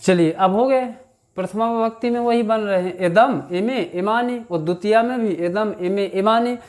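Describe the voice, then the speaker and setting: A man teaching a grammar lesson, reciting word forms in a slow chant and talking to his students as children. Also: high voice. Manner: addresses students as children, frequent "thik".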